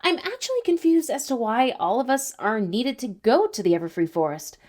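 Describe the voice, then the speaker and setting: Questioning girl unicorn for cartoon story, acted by a woman, high, frank, very expressive. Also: brisk. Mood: puzzled.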